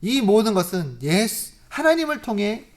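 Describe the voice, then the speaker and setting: A preacher at a church service tells a story in a sermon, swinging between loud emphasis and soft asides and asking the congregation rhetorical questions. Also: mid-range voice, sing-song, normal speed.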